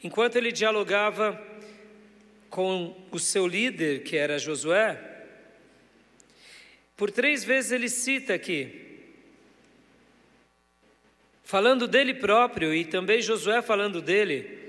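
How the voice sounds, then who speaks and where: A man's voice: high-pitched, expressive, slow, pauses often, a bit bright. A male pastor preaching a sermon to his congregation, emphatic, drawing out key words and putting questions to the listeners. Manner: addresses congregation directly with questions. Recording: church hall reverb.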